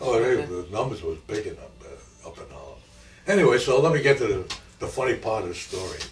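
A man's loudness swings widely, with audible room echo and light background noise. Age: 80s+. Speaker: grandfather. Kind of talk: interview answer, personal life stories. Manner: casual, joking. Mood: amused, reminiscing. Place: home room.

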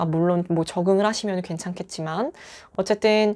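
A woman speaks fairly quickly, and the background is quiet. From South Korea. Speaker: teacher giving voice care tips. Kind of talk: tutorial. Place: empty room. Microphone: lapel.

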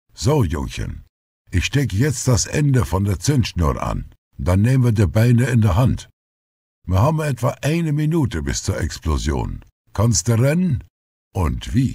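A man's growling, raspy put-on character voice at medium pitch, moderate pace, with long, frequent pauses, very wide pitch swings, and a very clean recording over a silent background. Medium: read story. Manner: plain-spoken, folksy.

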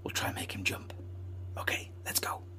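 Speaking at a moderate pace in a British accent, a man has a very deep, low pitch and a bright, sharp tone. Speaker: radio presenter. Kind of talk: casual vlog talk to camera.

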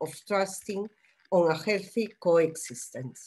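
With a Peruvian accent, a woman speaks at a very slow pace. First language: Spanish. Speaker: community psychologist. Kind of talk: prepared panel remarks. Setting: video call. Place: home room. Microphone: video call.

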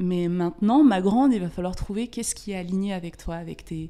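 Her voice has a dark, mellow tone and ordinary pitch variation. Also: very clean recording, silent background. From France, Saint-Étienne. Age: 40s. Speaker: podcaster and author, former journalist. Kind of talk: casual chat.

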